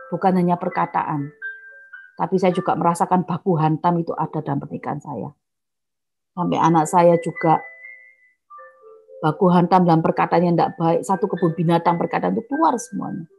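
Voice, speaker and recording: A woman's voice: on the low side, vocal fry, a little mellow. A middle-aged woman giving an earnest personal testimony at an online prayer meeting, speaking straight to her listeners as brethren.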